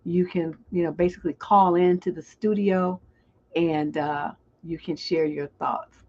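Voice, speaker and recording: A woman with a lowish voice hosts a live call-in stream as a relationship coach. She talks in a loose, improvised way and reads viewers' comments aloud. The audio is dull and lo-fi, like a computer mic. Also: steady tone, unhurried, darkish tone. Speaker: relationship coach and show host.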